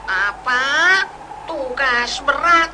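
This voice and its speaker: A woman's voice: sits high, animated, very slow, background noise, full character voice. A woman voicing a kind, chatty talking white squirrel in a storytelling drama, playful and fussy, tripping over her words. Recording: music playing behind the voice.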